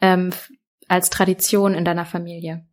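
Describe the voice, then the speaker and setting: A woman's voice: lowish voice, flat delivery, normal speed. A woman hosting a podcast interview, who reads a statement aloud and asks friendly, hesitant questions. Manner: friendly and hesitant, with many fillers when asking questions. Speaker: podcast host. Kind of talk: reading a quote aloud and interviewing.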